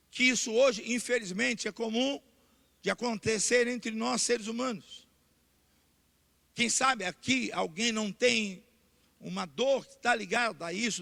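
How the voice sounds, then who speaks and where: A man with a Brazilian Portuguese accent preaching a sermon in church, repeating key points and building to loud emphatic declarations. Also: extremely high pitch, gravelly. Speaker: pastor. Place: church sanctuary. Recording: long church hall reverb.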